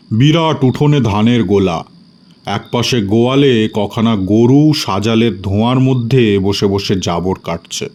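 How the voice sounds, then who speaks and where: A man's voice: medium pitch, a little mellow. Male storyteller with mid-range voice. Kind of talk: dramatic scripted story narration.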